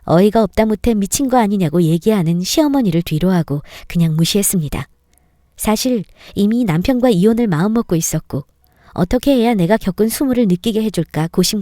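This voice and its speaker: Wry, mellow-voiced woman narrator. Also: medium pitch, expressive, brisk, no room sound, clean studio sound. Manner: wry, vindictive storytelling. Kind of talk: scripted first-person story narration.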